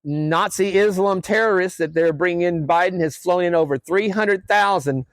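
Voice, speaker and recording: A man hosting his own vlog, rambling in casual chat with many fillers and pauses, ranting opinions. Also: high voice, no room sound. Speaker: vlog host.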